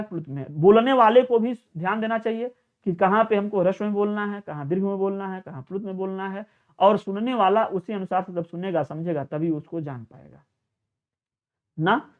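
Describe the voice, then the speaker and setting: Guy teaching an exam prep class, repeats himself a lot, sounds like a phone line. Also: sits high. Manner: slow chanting of verses; repeats and restarts phrases.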